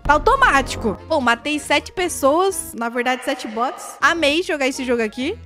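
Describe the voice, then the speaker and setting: Excitable high-voiced Brazilian woman gamer. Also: normal speed. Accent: Brazilian Portuguese. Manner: excitable, chatty, frequent squeals and exclamations. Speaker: gaming YouTuber. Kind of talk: casual gameplay commentary. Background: game music and sound effects.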